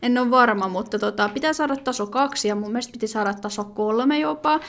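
A woman's voice: fairly high pitch, a bit bright. A woman giving casual gameplay commentary, chatty and thinking aloud with lots of fillers and sudden exclamations. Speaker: gaming video creator.

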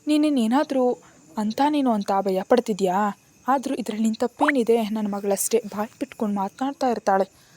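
Storybook figure: woman voicing a grieving old grandmother, mellow tone, sorrowful and pleading. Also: fairly high pitch, normal speed, a little hiss or hum, natural voice.

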